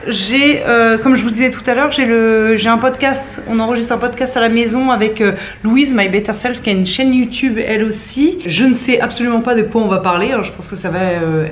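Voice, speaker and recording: A young woman in her twenties vlogs casually from home in a voice on the high side, with a faint hiss or hum. Talking to camera, she's playful, teasing, and self-mocking.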